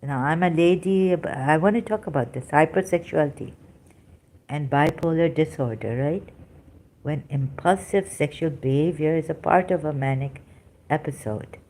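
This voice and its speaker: A woman giving an unscripted personal monologue to camera, halting often and searching aloud for the right words. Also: low-pitched, darkish tone, poor audio. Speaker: vlogger.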